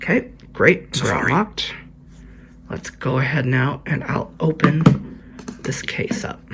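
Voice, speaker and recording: Very wide pitch swings mark the delivery at a very slow pace. Long, frequent pauses break it up against noticeable background noise. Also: man, fairly high pitch for a man. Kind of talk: casual unboxing talk to camera.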